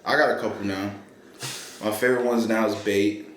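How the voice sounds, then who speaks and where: Man, casual podcast chat, fast and lively, roomy studio echo. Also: fairly low pitch, a little hiss or hum. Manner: animated, swearing, acts out quotes in a raised voice. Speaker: podcast guest.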